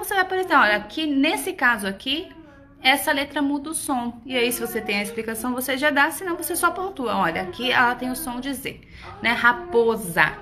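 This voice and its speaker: A woman's voice: sits high, bright, forceful tone. A woman, an educator, patiently explaining early reading to parents in a casual, reassuring tone. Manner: reassuring, patient, says "né?" often. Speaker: homeschooling educator. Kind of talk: casual teaching talk to parents.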